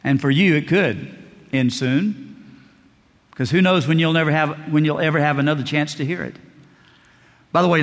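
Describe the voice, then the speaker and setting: An older male pastor preaching a sermon in a conversational, joking way, dropping to a soft voice on key words. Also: fairly high pitch. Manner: conversational, jokey preaching with sudden soft drops. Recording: long reverb of a large hall.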